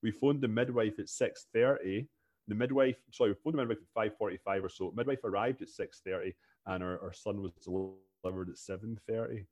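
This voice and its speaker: A Scottish man in his thirties, appearing as a podcast guest, chats freely in a casual interview with a fairly low, slightly mellow voice and a slightly fast pace. He often repeats a word before getting a sentence going.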